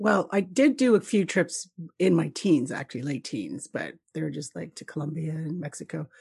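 A woman with a Canadian accent and a fairly low, somewhat breathy voice speaks at a moderate pace, using lively intonation and big swings in loudness. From Ontario, Canada. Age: 50s. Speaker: traveller. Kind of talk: casual chat. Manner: animated.

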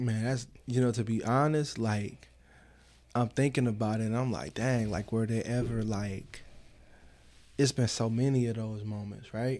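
At a moderate pace, a man with a medium pitch and a dark, mellow tone speaks with fairly even intonation. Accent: American. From Southeast Washington, D.C. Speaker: gospel music industry professional. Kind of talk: casual interview.

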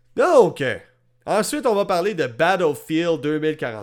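On a very clean recording with a silent background, a man with a Quebec accent speaks in a fairly high pitch, his tone animated and his intonation lively. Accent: Québécois French. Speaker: gaming podcast host. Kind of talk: casual chat.

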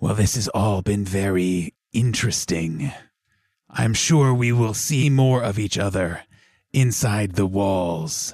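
A man puts on a character voice, fairly low in pitch, at a fairly slow pace. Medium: actual play. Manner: aloof, self-assured.

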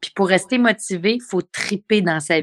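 With a Quebec accent, a woman speaks at a very slow pace. Her medium pitch shows ordinary variation, and the sound is dry and close with no echo. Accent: Québécois French. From Quebec, Montreal. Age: 40s. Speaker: sommelier and entrepreneur. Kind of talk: casual interview. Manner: animated.

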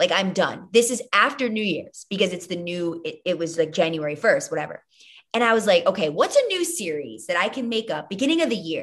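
With an American accent, a woman in an unremarkable speaking voice talks at a fairly quick pace with lively intonation and medium pitch. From New Jersey. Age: 20s. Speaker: entrepreneur. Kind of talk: casual chat. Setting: video call.

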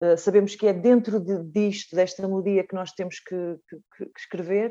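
A woman's voice carries a dark, mellow tone. Her intonation stays fairly even at a moderate pace. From northern Portugal, near Porto. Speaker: actress and singer. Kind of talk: casual interview chat.

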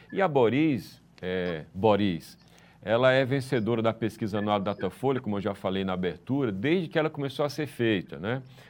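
Quiet background behind a man's plain, everyday voice, a plain, everyday voice at medium pitch, moderately paced and lively in intonation. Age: 40s. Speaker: TV interviewer. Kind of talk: interview. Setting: TV studio.

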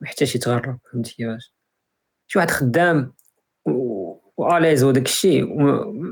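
With long, frequent pauses, a man speaks at a moderate pace in a fairly high voice with lively intonation. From Morocco, El Jadida. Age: 20s. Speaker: AI engineer. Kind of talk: interview.

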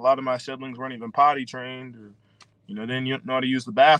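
Using a normal speaking voice, a man of medium pitch with an American accent talks at a fairly quick pace. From Pennsylvania. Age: 20s. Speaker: Marine veteran, political candidate. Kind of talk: interview. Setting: live stream.

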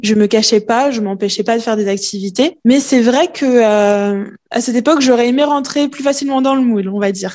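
A woman's dark, mellow tone at a moderate pace. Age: 20s. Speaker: physiotherapist and health sport coach. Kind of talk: casual interview chat.

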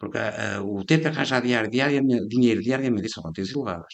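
A very fast-talking man with vocal fry and lively intonation. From Portugal, Braga. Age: 40s. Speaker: person in addiction recovery. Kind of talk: testimony.

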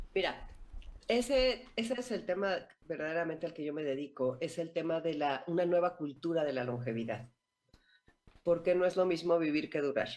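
With lively intonation, a woman at a fairly low pitch speaks at a moderate pace. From Mexico City. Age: 60s. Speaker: journalist and writer. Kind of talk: interview.

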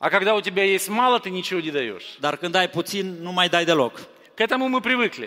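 Raised and projected, a man's high-pitched voice moves at a fairly quick pace with a bright, sharp tone. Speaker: interpreter. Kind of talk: consecutive interpreting of a sermon. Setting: church.

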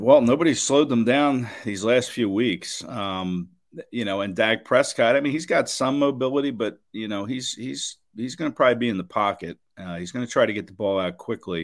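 A man talks at a moderate pace with hardly any pauses, in a plain, everyday voice of medium pitch. The recording is very clean, with a silent background. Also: ordinary pitch variation. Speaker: football analyst. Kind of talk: casual chat.

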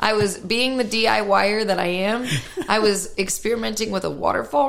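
Through noticeable background noise comes a woman's medium-pitched voice with an American accent. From Southern California, Rancho Cucamonga. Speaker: country singer-songwriter. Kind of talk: casual interview. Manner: casual, laughs often.

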